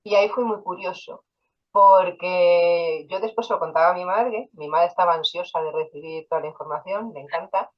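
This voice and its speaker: Low-voiced woman telling her story. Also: normal speed, dull audio. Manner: personal storytelling with quoted dialogue and fillers. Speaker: interview guest, hypnotherapist. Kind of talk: casual interview storytelling.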